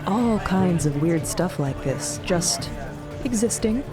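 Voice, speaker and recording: Low-voiced woman narrator over music. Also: expressive, takes it slowly. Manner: conversational, wry storytelling. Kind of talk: scripted audio drama narration. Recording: loud music behind the voice. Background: loud music.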